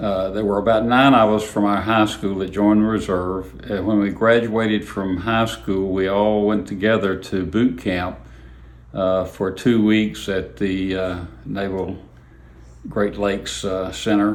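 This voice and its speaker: Amid audible room echo, a man with a Tennessee accent speaks at a fairly slow pace and a fairly low pitch, his intonation fairly even. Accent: US Southern (Tennessee). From Tennessee, Murfreesboro area. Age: 70s. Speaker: retired naval officer. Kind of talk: interview testimony. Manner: halting, many fillers.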